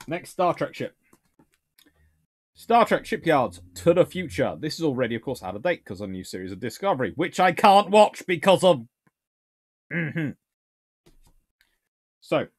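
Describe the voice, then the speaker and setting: Dry-witted British man chatting at his desk. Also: medium pitch. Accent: British English. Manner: dry wry asides, lively bursts of enthusiasm. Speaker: naval historian host. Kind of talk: casual chat reviewing books and answering questions. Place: small home study lined with bookshelves.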